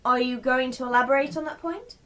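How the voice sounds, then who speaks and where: A woman's voice: high-pitched, quick pace, a bit bright, slight background noise. A woman playing a bewildered, indignant and prim journalist in a radio play, insistently questioning. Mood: prim, exasperated.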